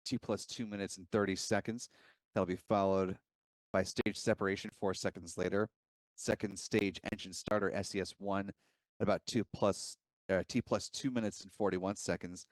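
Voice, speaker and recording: Deep-voiced launch commentator. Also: male voice, fairly even intonation, normal speed, no room sound. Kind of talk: live explanatory commentary.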